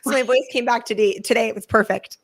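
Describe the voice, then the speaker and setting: Hoarse woman, earnest reflective guest. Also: a little high, steady tone, fast. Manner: earnest, thinks aloud with restarts. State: hoarse from laryngitis. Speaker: guest author. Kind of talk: reflective interview talk.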